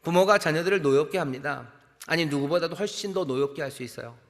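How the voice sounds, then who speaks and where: Man, middle-aged, senior pastor, sermon, emphatic repetition, questions to the congregation, slightly high voice, long church reverb. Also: fast. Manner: emphatic, repeats key phrases, asks the congregation questions. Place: large church sanctuary.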